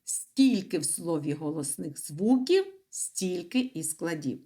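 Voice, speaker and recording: A woman teaching young children an online reading and writing lesson, explaining patiently step by step. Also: mid-range voice. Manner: slow, patient, lively sing-song explaining. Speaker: primary school teacher.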